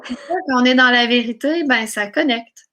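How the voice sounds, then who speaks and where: A woman's voice: a little high, normal speed, bright, forceful tone, a little hiss or hum. A woman with a Québécois accent, a guest musician chatting in an interview, effusive and full of hesitations and restarts. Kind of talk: casual interview chat.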